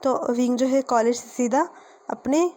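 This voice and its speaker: A woman tells a fan fiction story in an easygoing, chatty manner, pausing for fillers and correcting her own slips. Her voice is slightly high but soft and mellow, and she speaks a bit slowly.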